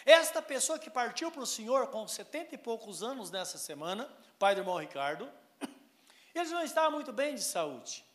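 A man preaching a sermon, emphatic, quoting scripture and swinging sharply between loud and soft. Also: sing-song, normal speed. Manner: emphatic preaching with sweeping pitch and loudness swings; quotes scripture and acts out voices in a raised tone.

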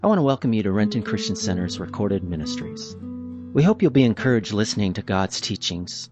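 A man reading a polished, scripted welcome for a church's recorded sermons. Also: lowish voice. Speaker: ministry recording announcer. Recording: guitar music behind the voice.

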